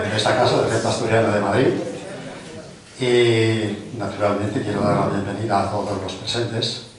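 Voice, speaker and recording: A man's voice: fairly low pitch, distant mic. An older man from Spain hosting a book presentation, speaking in a chatty, rambling way with small self-deprecating jokes. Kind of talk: informal welcoming speech. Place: large hall of a cultural club, indoors. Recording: very echoey hall, heard from afar.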